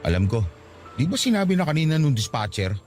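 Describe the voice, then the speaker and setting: Isang lalaking gumaganap sa dramang pag-ibig sa radyo bilang nasaktan at mapait na batang nobyong iniiwan, puno ng panunumbat. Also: male voice, on the high side, very animated, fast talker, a little mellow, faint music behind. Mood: cold, resigned. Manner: wounded, reproachful. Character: hurt, bitter young boyfriend being dumped. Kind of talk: radio romance drama acting.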